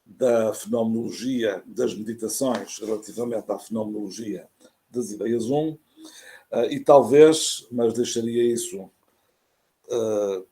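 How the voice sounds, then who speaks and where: A university professor with a European Portuguese accent reads a formal academic lecture from a prepared text over a video call. His dark, lowish voice is careful and measured, hesitating when he strays from the text.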